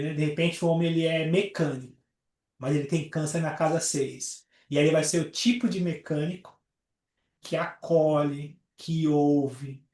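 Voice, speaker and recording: A man leads a study group on a call and teaches in a relaxed, chatty way. His voice sits a little high. He is heard from a distance in a roomy, echoing space. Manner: explains with everyday examples, many fillers like "né". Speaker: astrologer leading a study group. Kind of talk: casual teaching talk.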